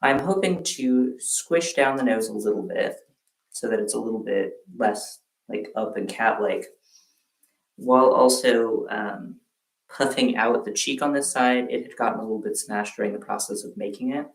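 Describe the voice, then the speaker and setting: A man streaming a relaxed crafting session from home, chatting with viewers in a halting way while he works. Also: lowish voice, creaky, recorded from a distance. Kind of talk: casual crafting livestream chat. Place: room at home, quilt behind. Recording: roomy sound from off-mic.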